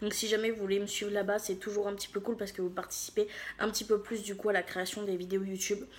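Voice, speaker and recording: Speaking at a very fast pace, a woman keeps her intonation monotone and flat. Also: medium pitch for a woman. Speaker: YouTuber. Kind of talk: casual chat while eating (mukbang). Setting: at home at a table, partner beside her. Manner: chatty, eating sounds, mouth full at times.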